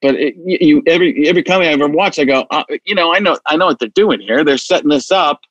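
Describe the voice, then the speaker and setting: A man hosting a podcast, telling stories in a rambling, animated way with many restarts. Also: on the high side, fast, no echo, lo-fi sound. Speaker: podcast host. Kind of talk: casual chat.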